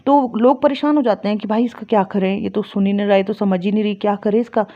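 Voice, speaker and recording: A woman's voice: medium pitch, fast. A woman, a spiritual healer and astrologer, giving casual advice and telling stories with rising energy. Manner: explains plainly, rises into lively storytelling. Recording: dull lo-fi recording.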